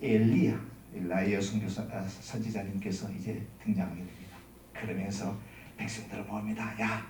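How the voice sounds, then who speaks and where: A man pastor preaching a sermon, telling a story dramatically and acting out shouts and quotes. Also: on the low side, slight background noise. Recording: echoey room, mic at a distance.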